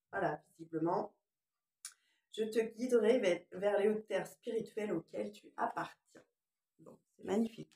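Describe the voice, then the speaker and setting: A woman with a slight lingering cough gives an informal spiritual card reading in a roomy, echoey space. She alternates between reading messages aloud and musing hesitantly in loose asides, at a middling pitch. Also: a little mellow. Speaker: oracle card reader.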